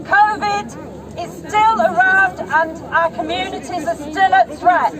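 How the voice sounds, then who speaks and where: A woman's voice: extremely high pitch, fairly even intonation, a little slow. A woman organizing a street protest, speaking directly to the crowd with appeals and instructions. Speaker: rally organizer. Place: outdoor street rally.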